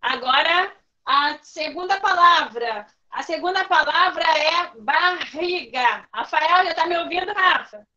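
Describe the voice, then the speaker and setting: A woman's voice: very high voice, expressive, unhurried, pushed and bright, highs cut off. A woman, teaching a class online and patiently coaxing her pupils by name with repeated questions. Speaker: primary school teacher.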